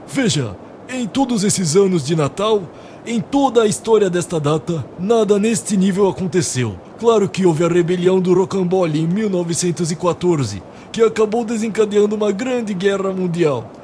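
A man's voice: high-pitched, moderate pace, dark tone, a little hiss or hum, natural voice. A man playing a nervous, rambling, exasperated Santa Claus in a comedic radio play. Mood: apologetic, rambling. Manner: theatrical, long-winded, exasperated. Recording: music behind the voice.

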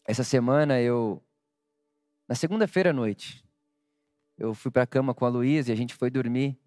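A man preaching a sermon with a personal story, speaking intimately and dropping soft in prayer. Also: medium pitch, moderate pace, dry recording, studio quality. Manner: intimate, drops to soft near-whisper in prayer, rises when animated. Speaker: pastor.

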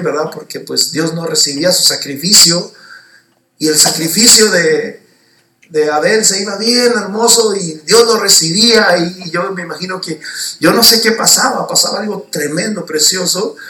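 A male preacher giving an emphatic sermon in a church hall, rising to shouts at its peaks. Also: on the high side. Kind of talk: sermon with personal testimony. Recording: roomy church sound from a distant mic.

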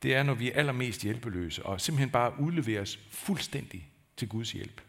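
A man's voice: medium pitch, expressive, creaky, a bit bright. A man preaching a sermon in a church, talking in a conversational, searching way that builds to emphatic peaks. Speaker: pastor.

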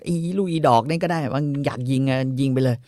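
A man voicing a gruff, defiant old male lawman who shouts taunting threats. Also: medium pitch, fast, no room sound, studio quality, close to an everyday voice.

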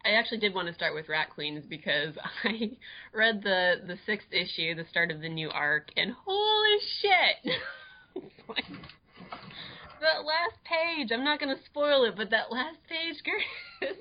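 A woman's voice: fairly high pitch, huge pitch swings, unhurried, lo-fi sound. A woman co-hosting a podcast, chatty and often laughing. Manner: giggly, chatty. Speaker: podcast co-host. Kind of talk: casual podcast chat.

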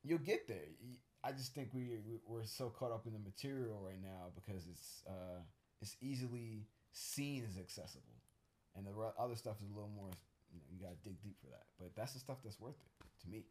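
A man's voice: on the low side, animated, a little fast, darkish tone. A man co-hosting a casual podcast chat, talking in a rambling, thoughtful way with many fillers and restarts. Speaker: co-host.

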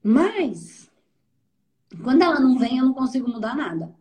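Animated Brazilian woman mentoring a student. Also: high-pitched, normal speed. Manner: animated and explanatory, often checking understanding with tag questions. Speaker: energy therapist mentoring a student. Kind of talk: casual mentoring conversation.

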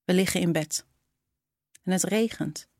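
Slow, low-voiced woman reading intimately. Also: a little mellow, no echo, clean studio sound. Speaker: narrator reading a short story. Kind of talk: scripted storytelling.

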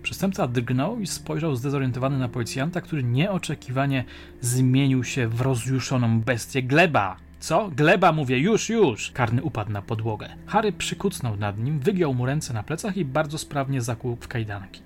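A man narrating a crime audiobook in a measured, dramatic storytelling manner. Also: medium pitch, animated, darkish tone, slight background noise. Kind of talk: audiobook reading.

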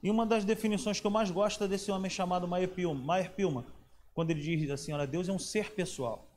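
Male preacher, high pitch, chatty sermon delivery, faint noise. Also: fairly quick, a little mellow. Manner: conversational, asks the audience questions.

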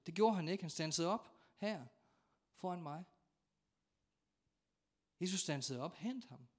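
Expressive Danish-speaking male preacher. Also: fairly high pitch. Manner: dramatic storytelling, acting out voices and shouts. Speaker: pastor. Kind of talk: sermon.

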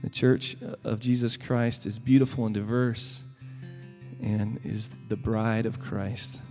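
A man with a Southern US accent speaks earnestly and gently between worship songs as a guest worship leader, with frequent pauses. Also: lowish voice, level tone, soft background music. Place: church sanctuary. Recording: long reverb from a large church hall.

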